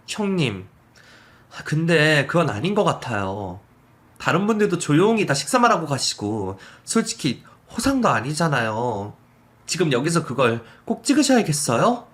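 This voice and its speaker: A man's voice: a little high, big pitch swings, normal speed, voice pushed up. A man voicing a grieving young daughter-in-law who speaks politely but firmly. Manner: polite, restrained, sharp-edged.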